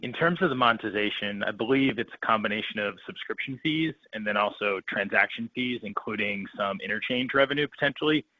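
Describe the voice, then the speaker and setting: Low-voiced male analyst, dull dry audio. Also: a little fast, hardly any pauses, no echo. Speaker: financial analyst caller. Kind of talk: prepared question on an earnings call.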